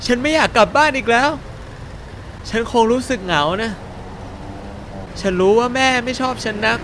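A man voicing a shy, lonely teenage schoolgirl in a soft, plaintive falsetto while playing a horror game. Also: animated, normal speed, background noise. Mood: wistful.

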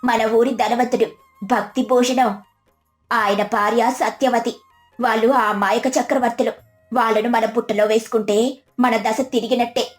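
A woman voicing a sharp-tongued village wife in a storybook tale, mocking and theatrical, with a greedy streak. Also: on the high side, fairly even intonation, unhurried, close to an everyday voice. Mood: scheming. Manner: scolding, sarcastic, theatrical. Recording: music behind the voice.

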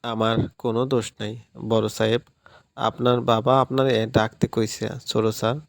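A man's voice: on the low side, level tone, moderate pace, gravelly, dry recording. A man voicing a timid, fearful middle-aged housemaid who speaks in rustic village speech. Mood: tearful.

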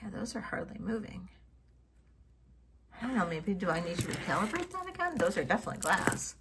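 A middle-aged woman casually showing off vintage jewelry finds, thinking aloud and trailing into soft mutters as she tests stones. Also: mid-range voice, sing-song, a little fast, background noise. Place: home office at a table.

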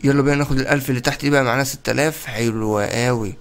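A young man with an Egyptian Arabic accent giving excitable, chatty let's-play commentary and talking straight to his viewers. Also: medium pitch, racing. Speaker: gaming YouTuber.

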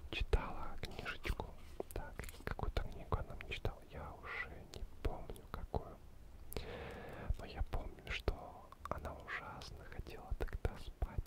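Speaking right up against a pair of foam-covered mics, this ASMR host, a man from Ukraine in his thirties, whispers his way through a book reading and some chat. The whisper is breathy, soft and hard to make out, delivered in a slow, soothing, relaxed manner.

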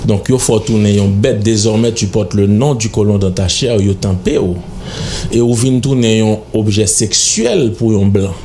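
With a fairly low, mellow voice at a normal pace, a middle-aged Haitian-accented guest in a radio studio interview speaks emphatically and insistently, in a lecturing style. He is recorded on a studio mic on a stand, with slight hiss or hum.

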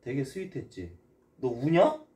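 A man chats on a live stream, his voice at a middle pitch. He pleads and repeats the same question over and over. He sits slightly away from the mic. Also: huge pitch swings, measured pace, dark tone, distant mic. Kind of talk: casual chat on a live stream.

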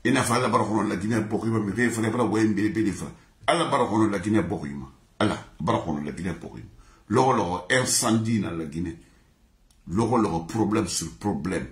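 A man's voice: fairly low pitch, brisk. A man singing in a repetitive, chanted, sing-song way. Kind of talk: chanted song in mixed languages. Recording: echoey room.

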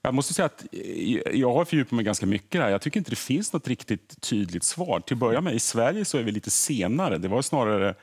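A man's voice: mid-range voice, very animated, hardly any pauses, a little mellow, slightly rough. A middle-aged man, a history podcaster, explaining earnestly in a TV studio interview and often repeating words as he thinks. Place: TV morning show studio.

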